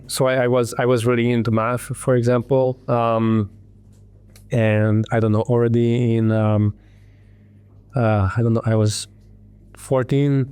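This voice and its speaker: A man from Hungary in his thirties, a tech entrepreneur telling his story in an interview, halting with many ums and restarts. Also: medium pitch, a little mellow, clean tone, no echo.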